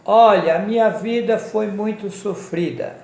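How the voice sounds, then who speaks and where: Slow gravelly man from Minas Gerais. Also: high-pitched, a little mellow, roomy sound. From Minas Gerais, Brazil. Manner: slow, solemn storytelling. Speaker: testimony speaker. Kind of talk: personal life testimony.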